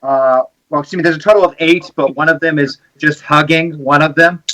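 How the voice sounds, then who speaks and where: A man runs a tabletop game as game master. His voice is bright and a little high for a man, and he narrates the action with dramatic relish. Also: steady tone, brisk, poor audio.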